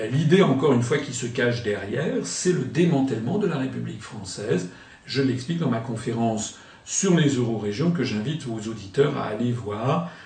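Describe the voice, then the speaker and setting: Room echo is audible, along with noticeable background noise. The speaker is a man. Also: medium pitch for a man, lively intonation, moderate pace. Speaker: political party leader. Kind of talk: political interview. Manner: halting, frequent repetitions and hesitations; not hysterical, explanatory.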